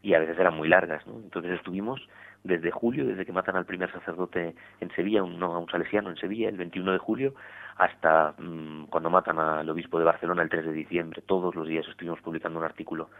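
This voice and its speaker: Deep-voiced priest on a tinny radio line. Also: male voice, fairly even intonation. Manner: measured, explanatory, with frequent tag questions. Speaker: priest guest on religious radio. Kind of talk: radio interview.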